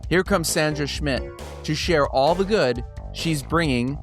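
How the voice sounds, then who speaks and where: A man's voice: on the high side, a little slow, over loud music. A man hosting a podcast in an upbeat, conversational style, with a folksy, emphatic and playful delivery. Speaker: podcast host.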